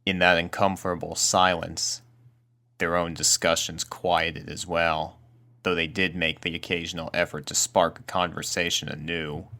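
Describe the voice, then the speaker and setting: A man reading a scripted spooky story aloud as narrator, with a measured, suspenseful storytelling delivery. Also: deep voice, little pitch movement, creaky, sharp tone. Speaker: fan fiction narrator.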